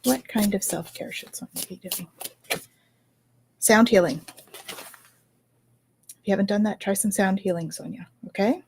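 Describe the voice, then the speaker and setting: A woman's voice: medium pitch, measured pace, vocal fry, long pauses, a little hiss or hum. A woman, a spiritual medium reading cards, talks in a casual podcast chat, reassuring and checking in with "okay?". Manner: chatty, reassuring, lots of "okay?". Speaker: spiritual medium and card reader.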